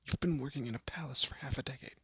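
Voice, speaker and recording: A man performs a young elf prince, haughty yet secretly soft, in a scripted roleplay audio drama, sounding pompous and formal while stammering when flustered. Here his breathy, often hushed voice is medium-pitched and quick, the mood haughty and indignant, with no room sound.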